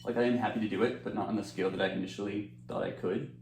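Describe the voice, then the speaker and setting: A man's voice: on the low side, steady tone, rapid-fire, roomy sound, background noise. A young American man chatting casually as he eats on camera, rambling with lots of fillers and restarts, sometimes talking with his mouth full. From United States. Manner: talks with his mouth full while eating. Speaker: eating-channel creator. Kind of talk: casual chat while eating.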